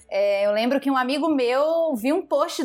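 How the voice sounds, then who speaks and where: A woman is speaking. Her pace is moderate. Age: 20s. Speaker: poet and content creator. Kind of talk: casual chat.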